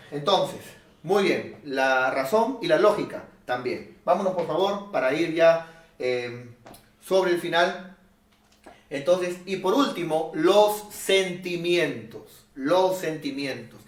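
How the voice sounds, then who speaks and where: A male pastor preaching a sermon in an animated, rhetorical way, often asking his listeners "¿no es cierto?". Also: fairly high pitch, recorded from a distance. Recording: echoey room, voice off-mic.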